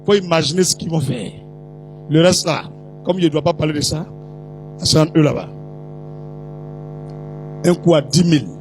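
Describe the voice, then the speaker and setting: A high-pitched male preacher holds forth in an animated, teasing storytelling sermon. He breaks into put-on voices and sudden shouts. Soft music plays faintly behind him. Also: normal speed, pauses often.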